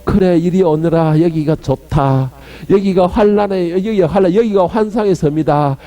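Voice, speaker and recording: A man voicing Satan as a slow, luring male tempter who beckons people toward him. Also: high voice, mellow, pitched below the performer's own voice, close to an everyday voice. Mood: coaxing.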